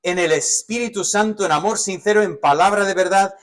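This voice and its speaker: Animated man preaching from Spain. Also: high voice, a little fast. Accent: Spanish from Spain. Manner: animated, varies loudness widely, drops to soft asides. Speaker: pastor. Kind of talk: sermon.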